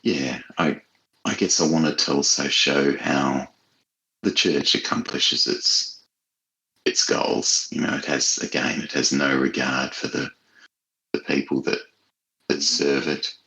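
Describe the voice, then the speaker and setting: A man being interviewed as an author, speaking in a thoughtful, measured and hesitant conversational way. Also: very deep voice, steady tone, bright, forceful tone, low-quality recording.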